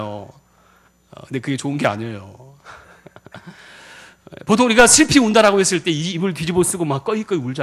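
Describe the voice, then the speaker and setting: A male pastor preaching a sermon in a church, asking the congregation questions. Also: a little high. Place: church sanctuary.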